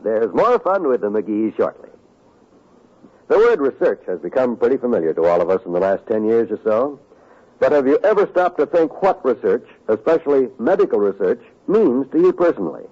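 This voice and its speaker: A male radio announcer reading an earnest, measured public service appeal. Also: medium pitch, very animated. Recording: muffled vintage radio recording.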